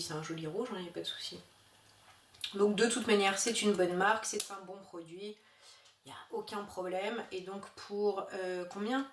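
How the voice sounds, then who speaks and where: A woman's voice: medium pitch, roomy sound, distant mic. A woman chatting casually about beauty products she bought, hesitant with many fillers. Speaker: beauty vlogger. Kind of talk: casual haul video chat.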